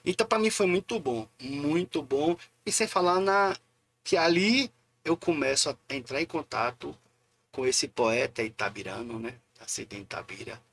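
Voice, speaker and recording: Man, raspy fry, slightly high voice, animated storyteller, interview guest. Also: moderate pace. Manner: lively anecdotes, acting out quoted voices. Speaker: guest poet. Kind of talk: casual storytelling in a live interview.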